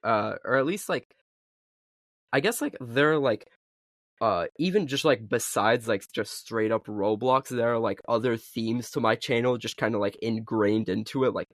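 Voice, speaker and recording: A young man co-hosting a casual podcast chat, talking in halting stretches full of "like" and "uh". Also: medium pitch, no room sound, studio quality. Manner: halting, filler-heavy, lots of "like". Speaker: podcast co-host and video creator.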